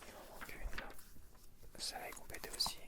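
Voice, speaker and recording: A man with a French accent whispering softly in an unhurried ASMR video, showing the viewer a sticker album. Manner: soft, unhurried, talking to the viewer while flipping pages. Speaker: ASMR creator.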